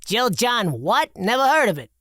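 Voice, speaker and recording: A man's voice: extremely high pitch, sing-song, normal speed, gravelly, sharp tone, no echo, studio quality, pitched above the performer's own voice, exaggerated voice. A man voicing a laid-back, crude sidekick who talks in casual, swearing slang.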